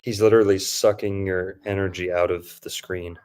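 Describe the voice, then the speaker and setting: A man's voice: sits low, little pitch movement, normal speed, a little mellow. A young man hosting a podcast, joking and mocking as he comments over a film on a video call. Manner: joking, mocking, slips into put-on impressions. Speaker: podcast host.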